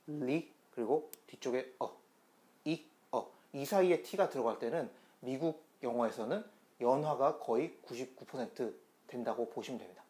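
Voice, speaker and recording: A man's voice: on the high side, a little mellow. A man giving an online pronunciation lesson, explaining step by step and repeating demonstration sounds in a chatty teaching tone.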